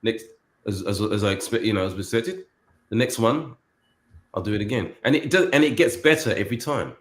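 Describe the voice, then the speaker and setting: A man's voice: lowish voice, expressive, fairly quick. A man hosting a casual chat, speaking emphatically and repeating words. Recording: roomy echo.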